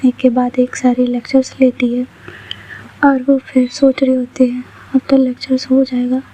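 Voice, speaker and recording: A woman telling a story in a conversational, plain, unhurried way. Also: sits high, completely flat delivery, mellow, slightly rough. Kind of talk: casual storytelling narration. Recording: dull lo-fi recording.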